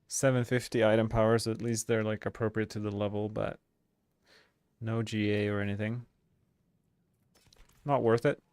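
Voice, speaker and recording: A young adult man from Sweden, talking through a live game stream in a relaxed, halting way. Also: lowish voice, clean tone, no echo. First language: Swedish. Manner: relaxed, halting, frequent uh and restarts. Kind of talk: live stream commentary while gaming.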